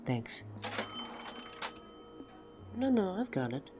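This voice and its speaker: A woman plays a shy, affectionate woman on a romantic date, speaking slowly in an intimate ASMR roleplay style. Her delivery is awkward and halting, easily flustered. Music plays clearly behind her voice. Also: on the low side, very animated, exaggerated voice. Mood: relaxed, friendly. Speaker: audio roleplay voice actor.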